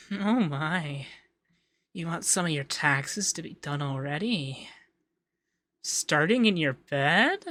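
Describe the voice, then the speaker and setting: Guy doing a flustered coy femboy for asmr, really bright voice, stammers a lot, soft breathy bits. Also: high-pitched, full character voice. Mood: teasing, flirty. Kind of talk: intimate ASMR roleplay.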